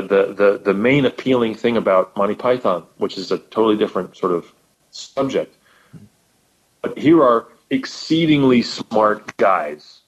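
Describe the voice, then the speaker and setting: A man talking casually as a podcast guest, thoughtful and rambling, often restarting his sentences. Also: on the low side. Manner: thoughtful, rambling, frequent restarts and repeated words. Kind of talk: casual conversation about old radio comedy. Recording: lo-fi podcast audio.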